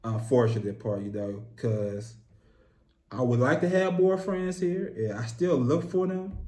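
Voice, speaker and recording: Mellow-voiced American man chatting easily. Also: mid-range voice, unhurried. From United States. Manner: relaxed, candid, repeats "you know what I mean". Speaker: interview guest. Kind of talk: casual conversation. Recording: echoey room.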